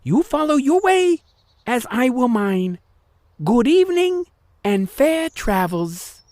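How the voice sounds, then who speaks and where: Casting: woman voicing a gypsy seer, cryptic and solemn, high-ish voice, dry studio sound. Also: very animated, slow pace, darkish tone, no room sound, full character voice. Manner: cryptic, solemn prophetic lilt. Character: mysterious old female gypsy fortune-teller, cryptic. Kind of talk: old-time radio drama acting.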